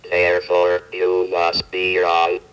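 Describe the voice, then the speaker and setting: An electronic speech synthesizer voicing a small robot, halting and mechanical, speaking word by word. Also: low-pitched, monotone, fairly bright tone, clean tone. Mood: flat, mechanical. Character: small programmable talking hobby robot, flatly declaring itself.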